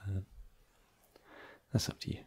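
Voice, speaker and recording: A young man voices an easygoing boyfriend hosting friends in an ASMR roleplay, hesitant and full of fillers before turning teasing. His relaxed voice is unhurried, a little mellow, and close to an everyday speaking voice.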